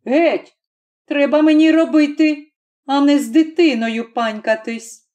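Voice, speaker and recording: A woman's voice: high-pitched, unhurried, darkish tone. A woman voicing a harsh, domineering landowner who barks curt orders in a storybook reading. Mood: angry.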